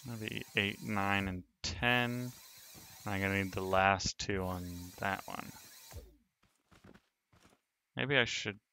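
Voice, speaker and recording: A man's voice: on the low side, fairly even intonation, takes it slowly, long pauses, sharp tone, slight background noise. A man streaming a sandbox building game, thinking aloud in casual commentary as he narrates each step of his work.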